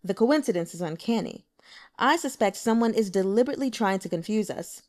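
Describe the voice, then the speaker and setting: Skeptical commanding lord guy, dry and probing, woman reading him, lively pitch. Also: brisk, natural voice. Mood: suspicious. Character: wry, suspicious male lord, sharp and commanding.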